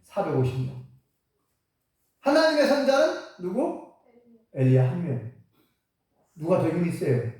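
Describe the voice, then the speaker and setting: Lively woman preacher, storytelling sermon, voice swinging up and down, recorded from far back in a very echoey church. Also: fairly low pitch, measured pace, long pauses. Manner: animated, asks the congregation questions, acts out quotes. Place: church sanctuary.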